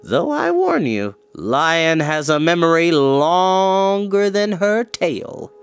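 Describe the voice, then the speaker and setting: A man voicing a friendly, dramatic bard in a storybook, fond and teasing, with theatrical, coaxing, drawn-out phrases. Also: a little high, big pitch swings, clean tone, dull audio, voice pushed up, full character voice. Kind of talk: storybook character voice.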